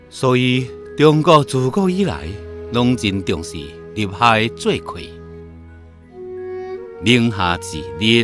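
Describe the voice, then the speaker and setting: With music in the background, a man with a Southern Min accent speaks at a very slow pace and a medium pitch, his pitch swinging very widely between long, frequent pauses. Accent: Southern Min (Hokkien) speaker. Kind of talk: seasonal poetic narration.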